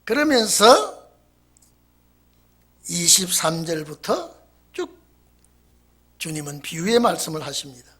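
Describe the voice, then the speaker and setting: A male pastor giving a Friday evening sermon, telling stories and shifting dramatically between loud and soft. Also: on the high side, takes it slowly, long pauses, slightly rough. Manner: animated, storytelling, dramatic swings in volume.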